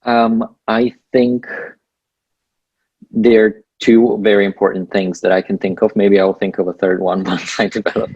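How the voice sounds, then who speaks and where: A man's voice: on the low side, normal speed, breathy edge, no room sound, dull audio. A young man from Bulgaria with a Bulgarian accent, speaking English as a second language and giving earnest advice as a guest in a casual interview. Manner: relaxed, earnest, laughs between points. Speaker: guest, PhD student.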